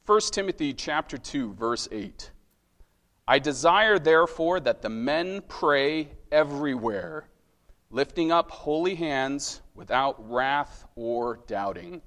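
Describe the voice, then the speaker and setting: A man's voice: on the high side, expressive, slow, a bit bright, big-room sound. A man giving a sermon as a lay preacher, talking in a conversational, self-deprecating way with restarts and frequent check-ins with his listeners.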